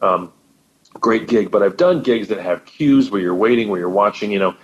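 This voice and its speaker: A man's voice: on the low side, lively intonation, moderate pace, lo-fi sound. A man, a professional musician guest, chatting with enthusiasm and often repeating words as he thinks. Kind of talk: casual chat.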